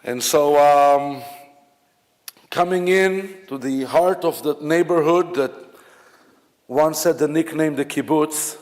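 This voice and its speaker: A man from Israel with an Israeli accent, giving a memorial eulogy in a halting, reflective way with many fillers and restarts. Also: a little high. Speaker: officiant at a memorial service. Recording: long hall reverb.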